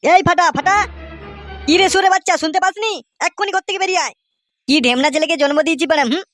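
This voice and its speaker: A man's voice: very high-pitched, quick pace, fairly bright tone, faint music behind. A man voicing an indignant, hot-tempered village father in a comedy cartoon, blustering and scolding crudely. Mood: furious. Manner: blustering, foul-mouthed scolding. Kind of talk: Bengali comedy cartoon dubbing.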